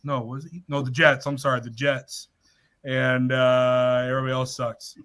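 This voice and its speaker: A man's voice: medium pitch, completely flat delivery, normal speed, a bit bright, clean tone. A man hosting a casual sports chat over an online call, upbeat and teasing, often correcting himself as he runs through the weekly picks. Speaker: host running weekly picks.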